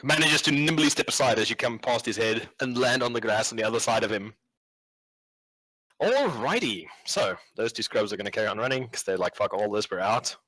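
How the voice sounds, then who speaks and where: Guy game master narrating combat off the cuff, sharp bright voice, sweary and slangy. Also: medium pitch, expressive, brisk, rough recording. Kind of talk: improvised tabletop game narration.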